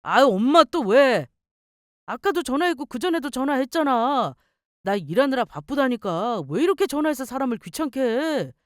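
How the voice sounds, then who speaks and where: A woman's voice: sits high, sing-song, normal speed, dry recording, clean studio sound. A woman voicing an irritated grown son who whines and complains. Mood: exasperated. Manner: whining, exasperated complaints.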